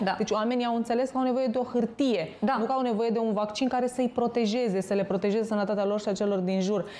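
Dark and mellow, a woman's voice races along at a very fast pace. Her pitch variation is ordinary. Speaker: studio commentator. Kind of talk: news talk discussion. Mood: critical, argumentative. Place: studio. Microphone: lapel.

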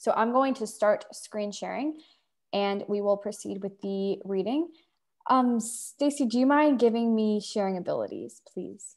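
A woman speaks in an ordinary speaking voice at a fairly high pitch and a fairly slow pace. Her pitch variation is ordinary, and the background is quiet. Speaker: debate moderator. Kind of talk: moderated panel debate. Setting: video call. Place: home room. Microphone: video call.

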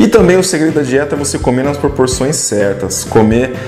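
Audible room echo surrounds the voice, with faint music in the background. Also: man. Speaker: vlogger starting a diet. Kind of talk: casual vlog chat. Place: kitchen. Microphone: camera far.

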